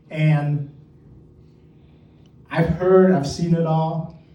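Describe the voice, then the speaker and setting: A man's voice with audible room echo. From USA. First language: Cantonese. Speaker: stand-up comedian. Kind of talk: stand-up.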